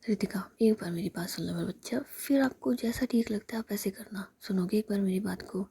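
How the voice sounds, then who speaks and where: A woman's voice: medium pitch, brisk, mellow, slight background noise, lightly acted. A woman voicing a bossy, pleading young female office boss in a whispered role-play story. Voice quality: breathy whisper.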